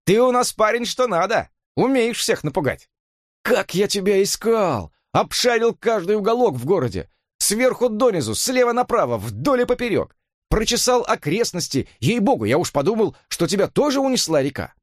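A man reading an audiobook and voicing an excitable, emotional male friend in a high, loud voice. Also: moderate pace, dry recording, studio quality. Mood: hearty.

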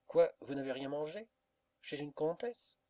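A man's voice: fairly high pitch, animated, unhurried, mellow, no echo, pitched above the performer's own voice. A man voicing an anxious old female servant in a storybook reading, exclaiming with fretful concern.

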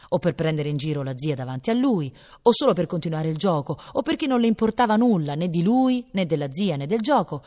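A woman reading a novel aloud, expressive and giving each character a voice. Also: low voice, long reverb tail. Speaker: audiobook reader.

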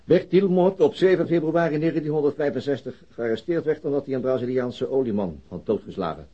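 A man's voice: mid-range voice, lively intonation, fairly quick, dark tone, slightly rough, muffled recording. A man playing a sober, middle-aged police detective in a naturalistic radio drama, matter-of-fact and guarded. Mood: dry, narrating.

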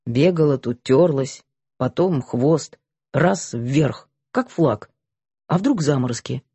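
A woman reading aloud, voicing a gruff, terse old male colonel who mumbles in short clipped phrases. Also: extremely low pitch, animated, slow, mellow, dry recording, pitched below the performer's own voice, heavily acted. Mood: gruff, grumbling.

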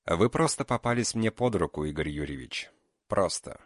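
A man voicing a calm, mocking male killer known as the beast. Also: low voice, no echo, clean studio sound. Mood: cold. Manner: cold, unhurried, mocking.

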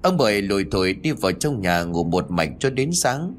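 A male storyteller reads a scripted tale in a lowish voice. His delivery is expressive and dramatic, with pitch that rises and falls a lot. Soft music plays faintly underneath. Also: brisk.

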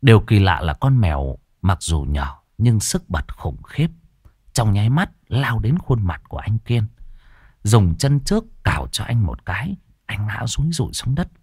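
A man narrating a ghost story in a lively, dramatic storytelling manner. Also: on the low side, moderate pace, breathy edge, no echo, studio quality.

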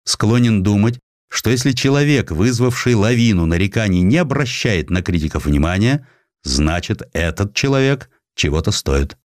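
A man playing a measured, condescending but approving Russian emperor in a dramatized audiobook. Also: lowish voice, expressive, dry recording, clean studio sound, lightly acted. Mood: measured, appraising. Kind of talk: audiobook character acting.

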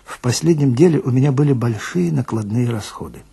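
A man's voice: mid-range voice, animated, brisk, creaky, mellow, breathy edge, exaggerated voice. A man playing a prim, middle-aged swindler in a radio story, speaking with polite, pleading dignity and fussy care. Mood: fussy, precise.

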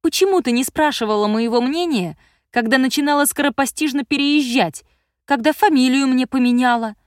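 A woman reading a story aloud, voicing a resentful teenage daughter with sharp, indignant lines. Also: fairly quick, dry recording, studio quality, natural voice. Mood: defiant. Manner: indignant, accusing, higher than her narration.

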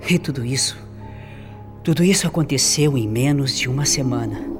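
Radio drama role: male actor as grave, deliberate spirit attendant, middle register, soft music behind. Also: medium pitch, lightly acted. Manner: grave, deliberate, repeats words for emphasis. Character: grave, compassionate male spirit nurse recounting tragedy. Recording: music under the voice.

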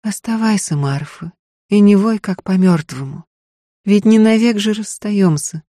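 A woman reading an audiobook voices a resolute, tender young woman singer who speaks softly and quietly. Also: medium pitch, expressive, a little slow, no echo, studio quality, pitched above the performer's own voice. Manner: soft, quiet, restrained.

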